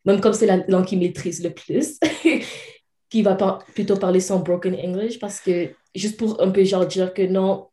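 A woman's voice: medium pitch, steady tone, a little slow, warm tone, reverberant. A young woman from Cameroon, a podcast guest talking casually and mixing English words into her French. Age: young adult. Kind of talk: casual interview conversation.

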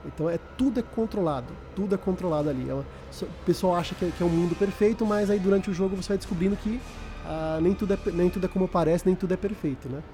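A man's voice: sits high, fast talker, warm tone, soft background music. A man with a Brazilian Portuguese accent explaining a video game in casual, informal podcast talk, repeating words as he goes.

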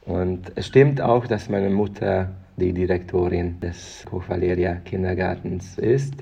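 A man's voice: low voice, steady tone, unhurried, vocal fry, dark tone, husky. A man from Hungary, answering interview questions earnestly and sometimes repeating words as he searches for phrasing. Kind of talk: thoughtful personal interview answers.

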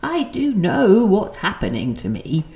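An actress playing a frail grandmother with dementia in an audio play, her speech often halting and broken. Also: medium pitch, huge pitch swings, darkish tone. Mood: lucid, wry. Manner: halting, stammering, words broken apart. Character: frail, confused grandmother with dementia, former nurse. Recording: roomy, echoing sound.

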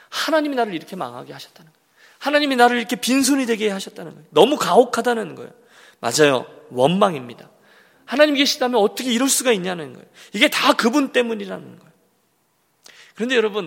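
High-voiced gravelly male pastor preaching. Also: a bit bright, big-room sound. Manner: emphatic, repetitive preaching with rhetorical questions to the congregation. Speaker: senior pastor. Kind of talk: sermon.

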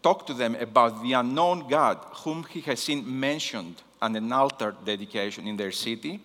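A male preacher with a Greek accent delivers a sermon in a bright, forceful voice. He is deliberate and repeats key phrases for emphasis. His medium-pitched speech rings with the long reverb of a large hall. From Greece. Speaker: guest missions preacher. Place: large hall, speaking to a congregation.

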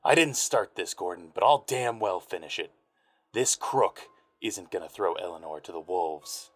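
A man playing a down-on-his-luck, stubborn private eye in a noir audio drama, gruff, intense and husky. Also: sits low, animated, normal speed. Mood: angry. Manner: gruff, intense, hard-boiled.

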